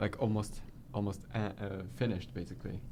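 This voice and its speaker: Dark and mellow in tone, a man's voice carries a non-native accent at a fairly quick pace. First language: not English. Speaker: student journalist. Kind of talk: roundtable discussion. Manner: halting.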